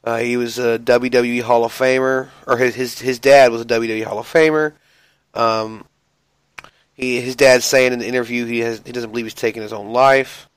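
A man hosts a casual wrestling podcast while sick, coughing as he jokes boastfully about his own greatness. His medium-pitched voice is clear and resonant but flat, at a normal speed with no echo, though the audio quality is poor.

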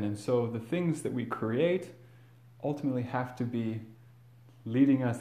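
This man, acting as priest, proclaims the Gospel and follows with a homily in an earnest, measured manner that includes some fillers and false starts. His voice is medium-pitched and warm, echoing through a large church.

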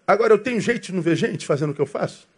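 A Brazilian pastor with a notably high voice delivers a sermon. He talks to the congregation like a friend, calling them brother and throwing questions at them. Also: expressive, very fast, a little mellow, slightly rough. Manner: conversational, calls listeners "irmão", asks them questions.

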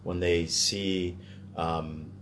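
A man's voice: low voice, flat delivery, extremely slow, a bit bright, slight background noise. A Canadian man talking casually in a discussion, hesitant as he thinks aloud.

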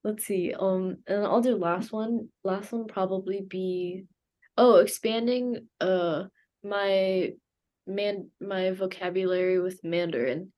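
A woman's voice: medium pitch, steady tone, takes it slowly, a little mellow. Rambling, giggly young woman guest. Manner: rambling, hesitant, lots of fillers and restarts, laughs often. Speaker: podcast guest. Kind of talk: casual chat. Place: bedroom.

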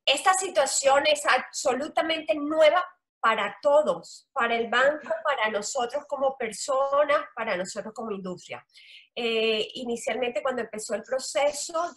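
Woman, Colombian coastal accent, bright forceful voice, fairly high, earnest interview answers, middle-aged. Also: low-quality recording. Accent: Colombian Caribbean coast Spanish. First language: Spanish. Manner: earnest, explanatory, with frequent "eh" fillers. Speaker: loan officer guest.

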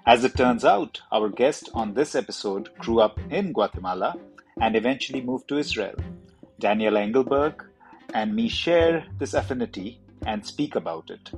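A man's voice: medium pitch, animated, normal speed, faint music behind. A man hosting a podcast, reading an upbeat introduction and then asking enthusiastic interview questions. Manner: warm greeting, upbeat and enthusiastic. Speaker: podcast host.

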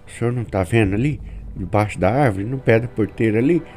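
A man voicing a nervous teenage boy who stammers quietly and sounds frightened. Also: on the low side, fast, faint music behind, close to an everyday voice.

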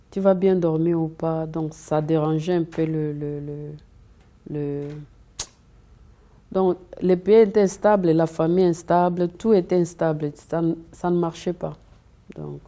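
Low-voiced woman, earnest. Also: steady tone, a little slow, mellow. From Democratic Republic of the Congo. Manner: earnest, repeats and restarts words often. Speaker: interview guest. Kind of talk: conversational interview. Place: community TV studio.

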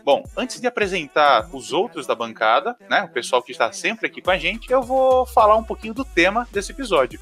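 A man's voice: high-pitched, animated, brisk, few pauses, bright, forceful tone, soft background music. Upbeat man hosting a podcast. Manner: upbeat, announces and introduces guests. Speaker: podcast host. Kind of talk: podcast opening.

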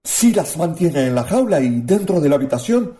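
Pompous male hotel owner, actress in the role, low, dark, lively inflection. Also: moderate pace. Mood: stern.

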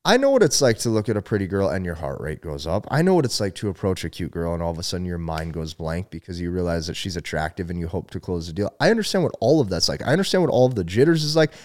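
A man's voice: sits low, very animated, fast, few pauses, a little mellow. A young man giving dating advice straight to the viewer, emphatic and blunt, with casual swearing and points counted off as A, B, C. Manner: casual profanity and many restarts. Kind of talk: direct-to-camera advice monologue.

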